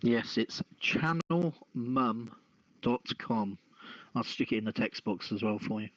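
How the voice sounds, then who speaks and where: A man presenting a casual news podcast in a hesitant, halting way, as its host. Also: medium pitch, animated, no room sound, highs cut off.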